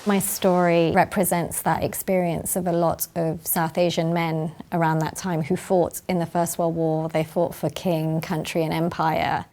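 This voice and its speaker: A woman's voice: on the low side, flat delivery, measured pace, few pauses, darkish tone. A woman, a playwright, talking in an explanatory interview style.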